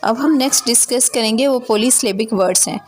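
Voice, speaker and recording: A woman English teacher giving a recorded lecture on phonetics, explaining step by step, reading definitions slowly and often checking that students follow. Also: on the high side, a little hiss or hum.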